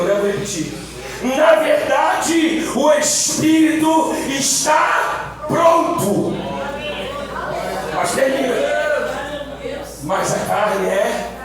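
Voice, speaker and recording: Shouting Pentecostal pastor, very echoey church. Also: male voice, sits high, far from the mic. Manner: shouting, repetitive, exclamatory. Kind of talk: Pentecostal sermon.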